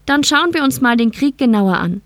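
A woman's voice: high voice, animated, normal speed, fairly bright tone, no room sound, pitched above the performer's own voice. Woman voicing Nora, an earnest, questioning young woman.

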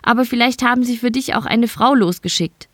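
A woman's voice: on the high side, a little fast, a bit bright, no echo, pitched above the performer's own voice. A bitter, beaten young woman guard speaks in a raised, reproachful voice, pointed and accusing, as a woman narrator puts her on. The audiobook sound is dry and close. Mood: urgent.

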